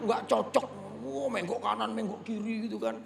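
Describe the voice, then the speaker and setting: A man's voice: high-pitched, moderate pace, creaky. A male pastor telling a story in an emphatic way, addressing the congregation during a conference sermon. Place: large church conference hall. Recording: echoey hall with music behind.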